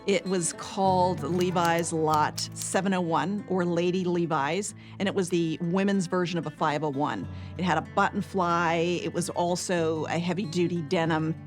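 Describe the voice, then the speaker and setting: An American woman narrates as an archivist, explaining history in a clear documentary storytelling style. Her voice sits slightly low, and guitar music plays clearly behind her. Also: steady tone, moderate pace.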